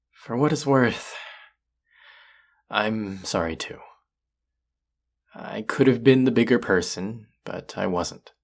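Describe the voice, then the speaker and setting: A young male chef played by a man in an intimate audio drama, combative and exasperated yet earnest underneath. His voice is deep and heavy with gravelly fry. He speaks slowly, with halting, emotive pauses. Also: heavily acted. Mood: apologetic, weary. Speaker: voice actor in audio roleplay.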